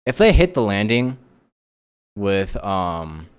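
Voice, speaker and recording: A man's voice: fairly low pitch, very animated, takes it slowly, smooth. A man streaming a casual live reaction, talking in a rambling way with lots of restarts and fillers.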